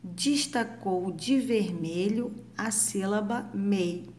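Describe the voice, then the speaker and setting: A woman's voice: medium pitch, slow pace, a little mellow. A woman teacher with a Brazilian accent giving a recorded lesson to young children, patiently spelling out letters and syllables in an affectionate tone. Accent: Brazilian Portuguese. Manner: affectionate with pupils. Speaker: primary school teacher.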